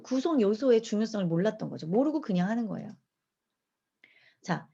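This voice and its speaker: With a medium-pitched, slightly rough voice, a woman teaches mind mapping online, keeping things lively by quizzing her listeners. The recording sounds dull and lo-fi.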